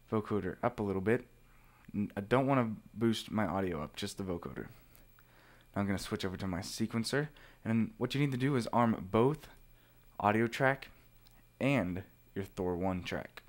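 A man with a fairly low voice presents a software tutorial. He talks casually and informally, walking through each step as he goes.

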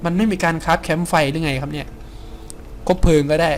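A young man giving excitable Let's Play commentary, often exclaiming and laughing as he plays. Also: fairly high pitch, fast talker, soft background music. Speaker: game streamer.

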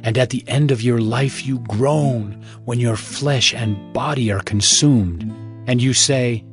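A man's voice: mid-range voice, takes it slowly. A man giving a dramatized scripture reading as narrator, in a solemn, fatherly, exhorting manner. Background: music.

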